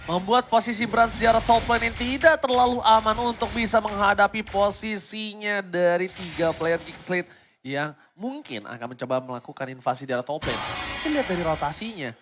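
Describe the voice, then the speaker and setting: A man with an Indonesian accent doing dramatic esports play-by-play commentary, rising into shouts and mixing in English phrases. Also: high-pitched, brisk, noisy background. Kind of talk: esports caster commentary of a mobile game match.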